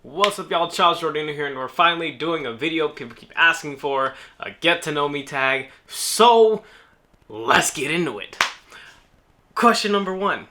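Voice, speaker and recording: Young adult male YouTuber from New Orleans, casual Q&A host, teasing humor, raised voice with a sharp, bright tone. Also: a little high, lively intonation, moderate pace. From New Orleans, United States. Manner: laid-back, joking, self-teasing. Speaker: YouTuber answering viewer questions. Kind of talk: casual Q&A vlog.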